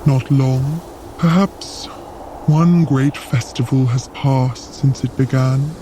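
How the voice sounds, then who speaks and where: Man playing a solemn, measured frost giant. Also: mid-range voice, steady tone, dark tone, slight background noise, close to an everyday voice, low-quality recording. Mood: grave. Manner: formal, measured, earnest speech. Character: tall Jotun frost giant guide, proud and solemn. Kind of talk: scripted audio drama acting.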